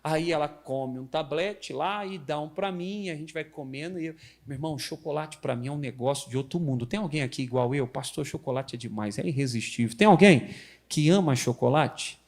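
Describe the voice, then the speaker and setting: A middle-aged Brazilian man preaching a lively sermon at a church service, telling family stories and asking the congregation questions. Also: on the high side, moderate pace. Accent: Brazilian Portuguese. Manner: animated storyteller, acts out family members' voices, asks the congregation questions. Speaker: pastor.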